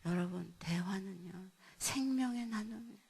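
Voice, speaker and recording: A middle-aged woman pastor gives a sermon at an evening family meeting, telling stories and acting out the people in them with big swings in loudness. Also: mid-range voice, moderate pace, creaky, slightly rough. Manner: animated storyteller, acts out dialogue with big swings in loudness. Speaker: pastor and seminar speaker. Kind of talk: sermon with storytelling. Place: church hall at an evening revival meeting.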